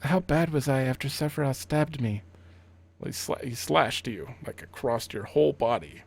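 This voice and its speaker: A man voicing a subdued, caring young woman from a video game, in a quiet, plain reading. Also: mid-range voice, moderate pace, vocal fry, no echo. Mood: subdued, sad. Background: video game music.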